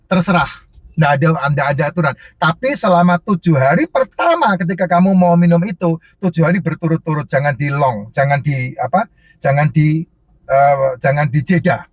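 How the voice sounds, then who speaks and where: A man's voice: on the high side, lively intonation, normal speed, no room sound. A man who sells herbal drinks, answering viewer questions in casual, emphatic, repetitive advice that lists point after point.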